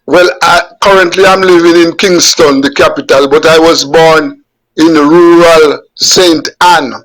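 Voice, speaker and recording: A Jamaican man, fifties or sixties, speaks slowly and carefully as an interview guest over a webcam. His voice sits fairly high for a man. He often repeats a word or two while he settles on what to say. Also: steady tone, a bit bright, poor audio. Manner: measured, repeats words while forming thoughts. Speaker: guest journalist. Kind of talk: unhurried interview answers. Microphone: webcam on a video call.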